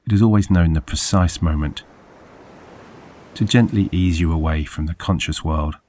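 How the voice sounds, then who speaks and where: Low-voiced man guiding sleep meditation. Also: darkish tone, slight background noise. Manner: soothing, measured, deliberate phrasing. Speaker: hypnosis and meditation guide. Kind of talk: guided sleep meditation, scripted narration.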